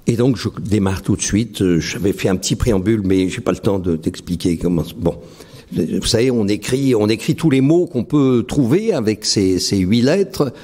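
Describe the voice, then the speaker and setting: A man giving a live public poetry reading. He explains his method haltingly, then reads his verse with rhythmic emphasis. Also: lowish voice, warm tone, slightly rough. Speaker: poet reading his own work. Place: library event before a live audience.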